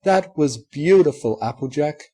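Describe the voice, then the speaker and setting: A cultured, refined unicorn mare from a storybook, speaking softly and haltingly, as a male narrator puts her on. The voice rides well above his natural low register and comes through loud, with a husky grain. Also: expressive. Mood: moved.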